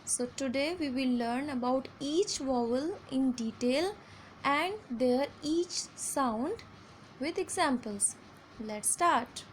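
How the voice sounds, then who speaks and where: A woman teacher with an Indian English accent giving a phonics lesson, mixing in Hindi and drawing out example words slowly. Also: sits high, slight background noise. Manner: slow, stretched example words, switching between English and Hindi.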